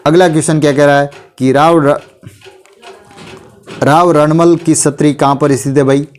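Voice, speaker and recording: A man teaches a quiz revision class, his voice a touch higher than most men's. He has a sore throat and keeps coaxing the students to answer quickly. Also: steady tone, soft background music. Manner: repeats "bhai", urges students to answer quickly.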